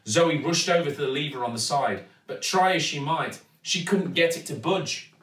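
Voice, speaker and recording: A British man reading a children's story aloud in a dramatic, deliberate way. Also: fairly high pitch, fairly bright tone. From United Kingdom. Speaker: actor reading a children's book. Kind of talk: expressive storybook narration. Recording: echoey room, distant mic.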